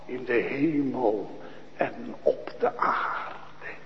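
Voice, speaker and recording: A man preaching a sermon to a congregation, asking questions and answering them, dropping to a hush and then rising to loud proclaiming. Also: medium pitch, gravelly, big-room sound, dull audio, a little hiss or hum. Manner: slow, questioning, swings from hushed to loud proclaiming. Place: church.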